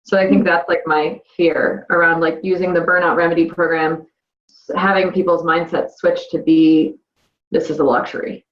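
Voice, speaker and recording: A woman coaching client speaking haltingly with many restarts and nervous laughs. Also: lowish voice, flat delivery. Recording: dull echoey call audio.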